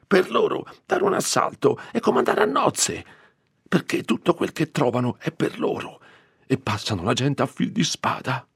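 A man voicing a fearful, irritable old male country priest who scolds in hushed urgency. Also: medium pitch, very animated, moderate pace, vocal fry, husky, no echo, clean studio sound, voice pushed up, full character voice. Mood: alarmed scolding.

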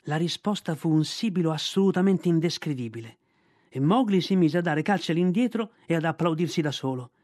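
A man narrating a story in a steady reading voice. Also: fairly high pitch, brisk, no echo, studio quality. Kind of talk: audiobook narration.

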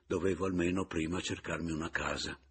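A man reading a literary novel aloud as an audiobook narrator, in a measured, reflective first-person voice. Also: low-pitched, steady tone, fairly bright tone, slightly rough.

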